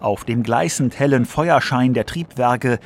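A man's voice: medium pitch, a little slow. A man reading scripted science documentary narration for a radio feature.

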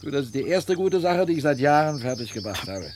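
An actor playing a wry, leisurely neighbour in a radio drama, relaxed and mocking in a conversational way. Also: male voice, fairly high pitch, brisk, a little hiss or hum. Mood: easygoing. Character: wry, leisurely teasing male neighbour and friend. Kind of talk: 1970s German radio drama acting.

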